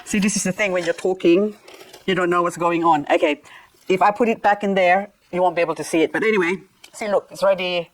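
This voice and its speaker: Speaking quickly with fairly even intonation and a fairly low voice, this middle-aged Filipino-raised woman keeps up a chatty, playful commentary as she cleans up succulents. The audio is poor. She's a gardening vlogger repotting plants casually, dropping in jokes at her own expense.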